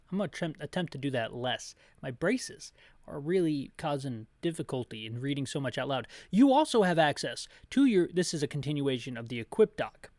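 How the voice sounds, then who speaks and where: A man hosting a descriptive video game playthrough, chatty and tangential, rephrasing himself with playful deadpan humor. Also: a little high, no echo. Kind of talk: descriptive video game commentary with rambling opinions.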